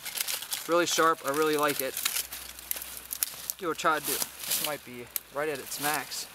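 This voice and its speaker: A man's voice: on the high side, moderate pace. A man casually demonstrating a saw outdoors, a little out of breath, rambling and repeating words as he works. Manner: relaxed, rambling, repeats words while working. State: slightly out of breath from sawing. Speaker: outdoor gear reviewer. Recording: noisy, with sawing sounds behind.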